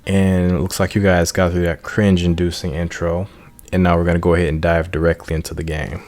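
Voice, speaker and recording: A man's voice: sits low, level tone, brisk, a little mellow. A man giving casual, informal and self-deprecating commentary as the host of a video game playthrough. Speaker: let's play host. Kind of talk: casual gaming commentary with read-out game text. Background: music.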